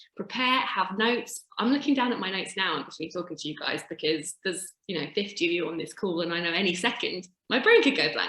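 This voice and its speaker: Very fast and with hardly any pauses, a woman talks in a British accent. Her medium pitch carries lively intonation. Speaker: media presenter giving a training session. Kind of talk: online workshop talk. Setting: video call. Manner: naturally fast talker.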